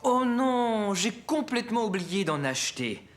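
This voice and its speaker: A man voicing a gentle, helpful young father in a French cartoon, talking patiently and reassuringly. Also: sits high, big pitch swings, a little slow, over music. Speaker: dad of a small boy.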